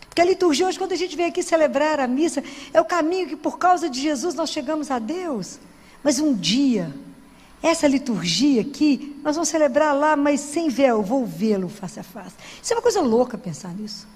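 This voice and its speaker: A woman's voice: high voice, brisk. A Brazilian woman giving a conversational sermon in a church, telling stories and often checking in with her listeners. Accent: Brazilian Portuguese. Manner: conversational, animated storytelling with frequent "né?". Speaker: preacher. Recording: long reverb of a church hall.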